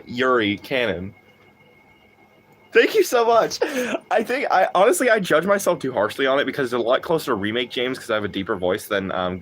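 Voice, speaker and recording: A young man live-streaming a game, chatting casually, swearing and getting excited. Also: slight background noise. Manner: profane, excitable, quick swings in pitch. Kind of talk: casual live-stream chat while gaming.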